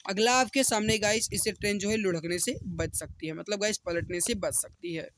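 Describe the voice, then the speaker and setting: A man's voice: high-pitched, fairly quick, a bit bright, no echo. A man teaching as an exam coach, walking students through questions and answers in an instructional way, often addressing them directly.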